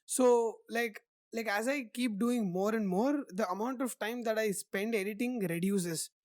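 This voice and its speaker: A man's voice: high-pitched, unhurried, dry recording, studio quality. A young man hosting a podcast, answering questions in a casual, rambling way with lots of "like" fillers. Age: young adult. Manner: rambling, heavy use of "like" fillers. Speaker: podcast host. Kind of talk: casual conversational interview answers.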